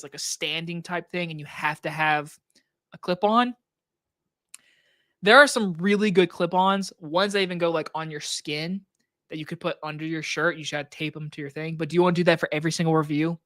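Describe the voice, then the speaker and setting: A man with a scratchy, hoarse throat hosting a casual live stream Q&A from his desk, talking loosely with plenty of likes and restarts into a microphone on a boom arm. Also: fairly bright tone, no room sound, studio quality. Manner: loose, rambling talk with many likes and restarts. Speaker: movie reviewer and channel host. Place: home desk setup.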